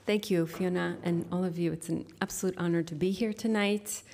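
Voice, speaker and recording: A middle-aged woman poet and lecturer, introducing her work haltingly before a slow, measured reading of her poems into a stage microphone. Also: on the low side, steady tone, gravelly, darkish tone, slight background noise. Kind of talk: poetry reading with spoken introduction. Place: stage at a literary venue.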